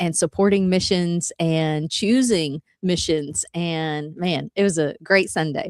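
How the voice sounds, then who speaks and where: With a Southern US accent, a woman speaks at a fairly low pitch with fairly even intonation. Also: dry, close sound with no echo. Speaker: ministry show co-host. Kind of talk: casual chat. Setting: live online show.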